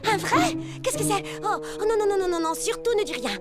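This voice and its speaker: An actress voicing an excitable young woman who plays detective in a French cartoon dub, theatrical and full of dramatic exclamations. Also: very high-pitched, brisk. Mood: excited. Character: Baba Hortensia, excitable young woman fancying herself a detective. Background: cartoon music.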